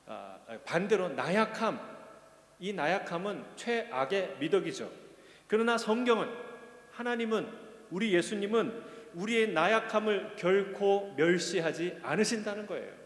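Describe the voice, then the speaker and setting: Male pastor, sermon delivery, earnest and emphatic; fairly high voice, long church reverb. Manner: earnest, questioning, rising to emphatic peaks. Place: church sanctuary. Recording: echoey church hall.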